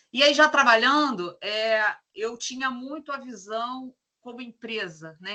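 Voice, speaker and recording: A woman's fairly high voice in a Carioca accent, bright and sharp in tone, with ordinary pitch variation. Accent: carioca Rio de Janeiro. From Rio de Janeiro, Brazil. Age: 50s. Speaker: HR executive, former finance professional. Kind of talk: talk at online meetup. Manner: hesitant, many fillers.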